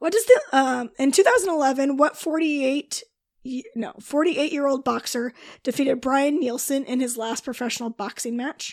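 On a very clean recording with a silent background, a woman speaks in a high pitch with ordinary pitch variation. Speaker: quiz host. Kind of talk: quiz reading. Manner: fast.

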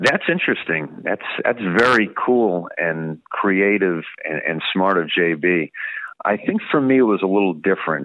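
At a fairly slow pace, a man with an unremarkable speaking voice talks at a fairly low pitch with ordinary pitch variation. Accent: American. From New York City area. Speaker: sports play-by-play broadcaster. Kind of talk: interview.

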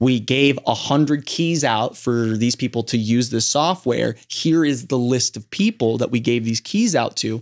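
A man's plain, everyday voice at medium pitch, with an American accent. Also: ordinary pitch variation. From San Diego, California. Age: 30s. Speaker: home inspector. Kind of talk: casual interview chat.

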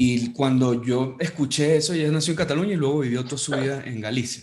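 This man's voice sits at a fairly high pitch. It sounds somewhat breathy. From Venezuela, Puerto Ordaz area. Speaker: football podcast co-host. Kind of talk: casual chat.

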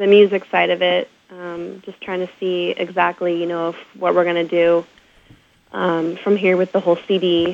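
A woman with an unremarkable speaking voice talks at a fairly slow pace and a medium pitch. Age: 20s. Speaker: singer. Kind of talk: radio interview. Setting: studio.

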